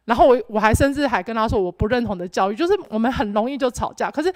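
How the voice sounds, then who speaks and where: A woman's voice: fairly high pitch, lively intonation, rapid-fire, dry recording. A young woman gives an earnest personal testimony at church, rambling with restarts and fillers. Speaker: church member giving testimony.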